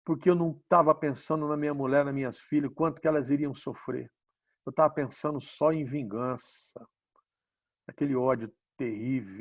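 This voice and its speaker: A man with a Brazilian Portuguese accent giving an emotional Christian testimony, swinging between loud urgency and hushed tones and asking the audience questions. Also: medium pitch, vocal fry. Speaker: testimony speaker.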